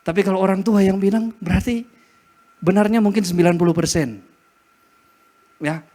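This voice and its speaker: A man's voice: high voice, moderate pace, warm tone. A man preaching a sermon in church, asking the congregation questions, laughing often and acting out cries to God. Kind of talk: interactive sermon. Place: church hall.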